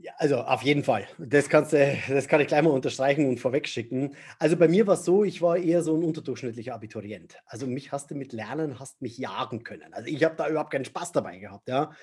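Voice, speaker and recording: A man being interviewed on a podcast as a memory trainer, animated and enthusiastic, laughing often. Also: medium pitch, quick pace, few pauses, breathy edge.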